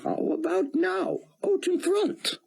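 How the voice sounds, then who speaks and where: A man voicing a warm, gentle rabbi with a thick Hebrew accent, speaking slowly and courteously. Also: very high-pitched, creaky, voice pushed up, exaggerated voice.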